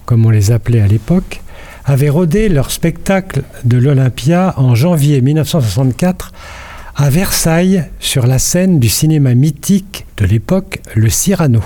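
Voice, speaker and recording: A man's voice: medium pitch, expressive, normal speed, warm tone. An older man from France giving a local radio culture column, telling an anecdote in a playful, storytelling way and quizzing the host. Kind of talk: radio chronicle, partly read.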